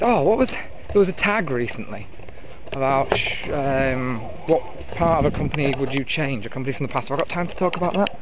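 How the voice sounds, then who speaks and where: A British man in his twenties rambling casually and self-deprecatingly as he vlogs while walking outdoors, holding the camera on a stick. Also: medium pitch. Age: 20s. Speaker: vlogger, retro gaming YouTuber. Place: outdoors, walking along a field edge by trees. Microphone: camera on a stick at arm's length. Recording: dull muffled camera audio with outdoor wind noise.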